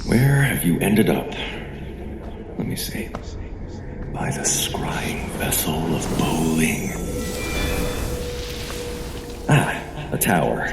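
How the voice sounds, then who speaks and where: Audio drama sorcerer: wry, theatrical, self-assured man muttering to himself with lively pitch, roomy echo, noisy ambience. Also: gravelly, exaggerated voice. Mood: wry, searching. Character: self-assured, wry, erudite male sorcerer, exasperated guide. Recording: echoey room with noisy ambience behind.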